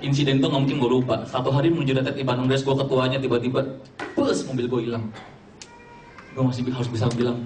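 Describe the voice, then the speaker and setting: A young man, a youth preacher, delivers a casual sermon in a church hall, mixing slang with English and joking with his listeners. His mid-range voice is a little mellow and fairly flat in pitch, and he talks fast. The recording is echoey with a distant mic, faint ambience, and a little hiss or hum.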